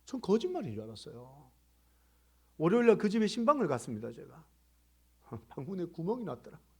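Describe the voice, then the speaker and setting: A middle-aged male pastor preaching a sermon in a church, telling a story that swings between loud emphasis and hushed quiet. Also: sits high, wildly swooping pitch, brisk, breathy edge. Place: church sanctuary.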